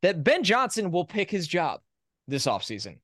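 A young adult man co-hosting a podcast in a casual sports chat. He sounds opinionated and reels off facts in a steady run. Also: sits high, moderate pace, no room sound, studio quality. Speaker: podcast co-host.

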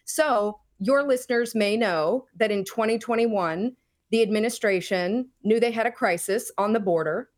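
A middle-aged woman speaking as an interview guest, explaining her own experience with deliberate, emphatic phrasing. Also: mid-range voice. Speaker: podcast guest, whistleblower. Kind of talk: explanatory personal account in an interview.

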